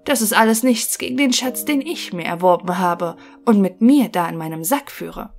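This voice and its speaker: A woman's voice: medium pitch, animated, moderate pace, natural voice. A woman voicing a confident young male craftsman in a fairy-tale audiobook, speaking boldly and boastfully.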